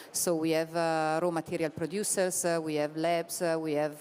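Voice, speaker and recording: With an Italian accent, a woman speaks at a fairly low pitch. Her intonation is monotone and flat. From Italy. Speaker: president of a packaging industry association. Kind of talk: panel discussion at a conference. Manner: hesitant, many fillers.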